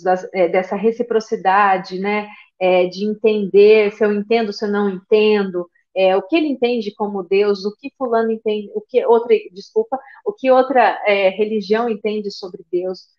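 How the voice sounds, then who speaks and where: A woman's voice: mid-range voice, muffled recording. A woman giving a spiritist religious lecture online, often checking in with tag questions, repeating phrases and reading passages aloud. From Brazil. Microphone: video call.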